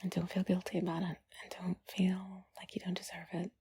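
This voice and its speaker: A woman giving intimate whispered comfort talk, soothing and gently reassuring, in a breathy, husky whisper with drawn-out pauses. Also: on the low side, completely flat delivery, no room sound. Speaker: audio creator speaking to the listener.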